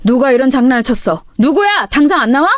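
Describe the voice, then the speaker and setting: A strict middle-aged schoolteacher barking orders at students, as a woman narrator puts him on. His voice sits a bit high and loud for a man, over faint music. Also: lively intonation, fast, dry recording, clean studio sound. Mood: stern. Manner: stern, commanding. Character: stern middle-aged male homeroom teacher.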